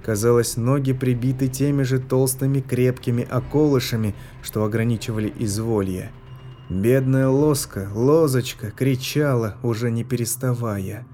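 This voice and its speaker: A man giving scripted narration of a dark fantasy story in a measured, tense manner. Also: mid-range voice, fairly even intonation, soft background music. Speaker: audiobook narrator.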